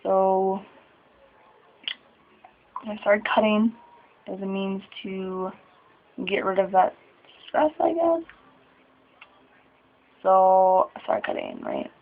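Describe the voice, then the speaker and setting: Nervous young trans man, gravelly and tinny. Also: high voice, big pitch swings. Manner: nervous, halting, with sighs and laughs. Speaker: vlogger. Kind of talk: personal confessional vlog. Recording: tinny phone-like sound.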